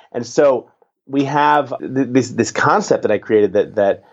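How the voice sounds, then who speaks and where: With an American accent, this man talks. The pitch of his voice is medium. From US. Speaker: entrepreneur and author. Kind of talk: interview. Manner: fast.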